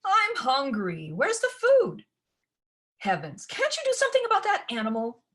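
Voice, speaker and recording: A woman voicing a haughty, snappish young stepsister in a storybook reading, demanding and sharp-tongued. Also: sits high, wildly swooping pitch, normal speed, pitched above the performer's own voice, full character voice.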